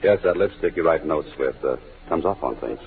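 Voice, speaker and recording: A man's voice: extremely low pitch, animated, fairly quick, vocal fry, exaggerated voice. A man playing a wry, wisecracking writer and adventurer in a 1940s radio drama. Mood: wry, casual. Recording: muffled old radio recording.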